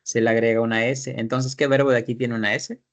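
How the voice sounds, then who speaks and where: A man's voice: medium pitch, little pitch movement, fast talker. A man teaching an English class, explaining grammar in Spanish, repeating his students' sentences and asking guiding questions.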